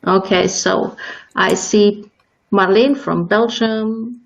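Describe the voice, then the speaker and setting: A woman's voice: mid-range voice, fairly even intonation, slow, creaky, muffled recording, slight background noise. A woman moderating an informal live webinar, handing the floor to panelists.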